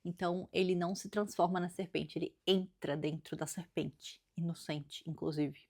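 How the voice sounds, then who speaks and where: A woman's voice: on the low side, steady tone, normal speed, a little mellow. A woman with a Brazilian accent giving a casual, chatty book review, thinking aloud as she retells the story. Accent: Brazilian Portuguese. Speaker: book vlogger.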